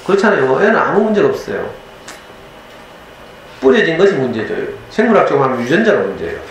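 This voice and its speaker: A man's voice: fairly high pitch, quick pace, slight background noise. Middle-aged man lecturing in an echoey hall. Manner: animated storyteller acting out dialogue. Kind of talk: storytelling lecture. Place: lecture room.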